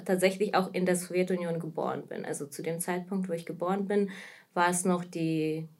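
A woman's voice: lowish voice, steady tone, fairly quick. A woman in her thirties from Kazakhstan, a native Russian speaker, talks in German with a Russian accent in a casual interview as a guest. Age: 30s. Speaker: podcast guest, anti-racism activist and trainer.

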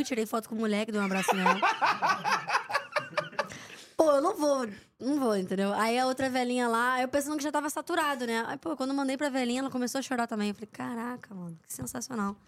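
Guest: young woman, reporter, slightly high voice, animated storyteller who imitates the people in her stories. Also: brisk, slight background noise. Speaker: podcast guest, sports reporter. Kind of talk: casual anecdote-telling in a podcast interview.

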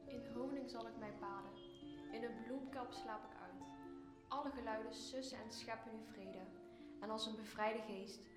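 Woman acting a high, airy spirit. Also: normal speed, echoey room, music in the background, natural voice. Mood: dreamy, joyful. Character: obedient airy spirit, gentle and longing for freedom. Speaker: student actor. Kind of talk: radio play Shakespeare acting.

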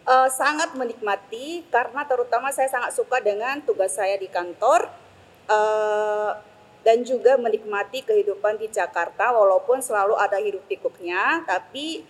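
A middle-aged Korean woman, a foreigner speaking fluent but hesitant Indonesian with a Korean accent as an interview guest, often pausing to find words. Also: medium pitch, husky, in a large hall, low-quality recording. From South Korea. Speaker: interview guest, embassy senior researcher. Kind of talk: conversational interview answers.

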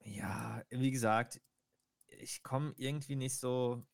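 Male co-host, unhurried and hesitant, weighs his opinions; dry close mic. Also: medium pitch, steady tone, vocal fry, no echo. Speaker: podcast co-host. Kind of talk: casual chat.

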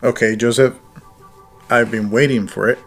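A man playing an easygoing, folksy farm owner in an audio drama, speaking in an unhurried, plainspoken, obliging way. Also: medium pitch, fairly even intonation, faint music behind, natural voice. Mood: amiable, frank.

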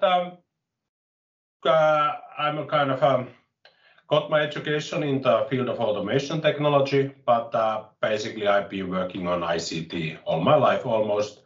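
A man in his late forties from Finland with a Finnish accent, chatting as an interview guest in a halting way, often restarting phrases, with wry self-mockery, heard over a video call. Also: fairly low pitch, reverberant, distant mic, highs cut off. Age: late 40s. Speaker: interview guest, tech consultant. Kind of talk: casual interview chat.

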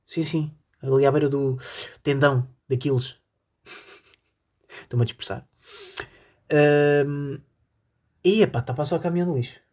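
Husky-voiced podcaster. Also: mid-range voice, fairly even intonation, measured pace, long pauses, a little mellow. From northern Portugal. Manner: rambling, jokey, addresses listeners directly. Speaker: podcast host. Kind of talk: solo comedic podcast monologue.

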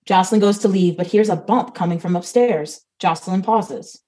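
A woman's voice: mid-range voice, normal speed, dark tone, low-quality recording. A woman reading the stage directions of a comedy script, matter-of-fact.

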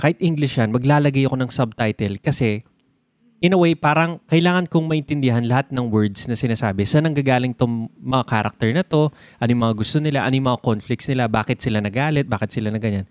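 A young man with a Filipino accent, co-hosting a casual chat about films. He explains in an animated way and uses sound words to make his examples. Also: mid-range voice, fast talker, no room sound.

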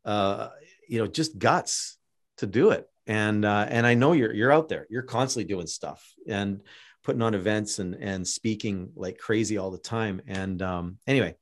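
A Canadian man hosts a podcast in relaxed conversation. He rambles, circles back on his own words and stumbles through restarts, yet keeps the tone upbeat and encouraging. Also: fairly low pitch, moderate pace. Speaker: podcast host. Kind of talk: casual interview chat.

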